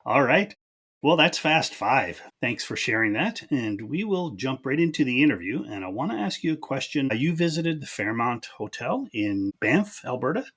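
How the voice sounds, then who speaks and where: Male podcast host, casual and informal interviewer, medium pitch, husky rather than clean tone. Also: very animated, moderate pace, a bit bright.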